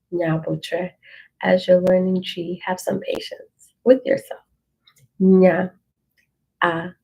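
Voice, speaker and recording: Lady teaching a language, slow and patient, kinda husky low voice. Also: dull audio. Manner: repeats phrases slowly and encourages learners. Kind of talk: relaxed language lesson, reading through an ebook.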